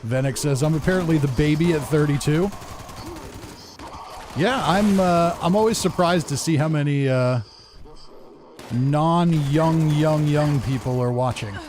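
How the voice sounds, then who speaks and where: A man's voice: a little high, measured pace, pauses often, a little mellow. A man of forty chatting casually and good-humouredly as a game streamer, reading out viewer comments as he plays. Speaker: game livestreamer. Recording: game noise and gunfire behind voice. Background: video game sounds, gunfire.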